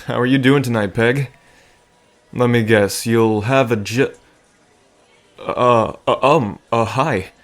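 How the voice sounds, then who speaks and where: A man's voice: medium pitch, takes it slowly, pauses often. A man playing an awkward, wry bartender and reluctant sidekick in an audio drama, hesitant and given to muttered asides. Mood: flustered. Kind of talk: dramatic audio roleplay acting.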